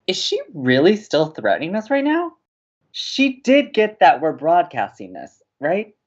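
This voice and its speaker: Man playing a very animated young college radio host. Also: a little high, unhurried, highs cut off, full character voice. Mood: incredulous, dry. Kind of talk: audio drama acting.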